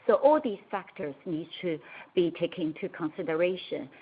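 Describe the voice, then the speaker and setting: Low-voiced woman on a tinny phone line. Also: animated, husky. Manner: measured, halting delivery in short phrases. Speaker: company executive. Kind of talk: earnings call answers.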